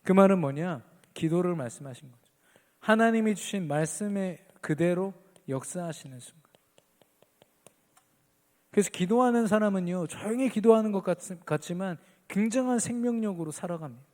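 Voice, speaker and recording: A man's voice: sits high, animated, moderate pace, darkish tone, big-room sound. A man preaching an earnest sermon as pastor at a midweek church service, lifting his voice on key phrases.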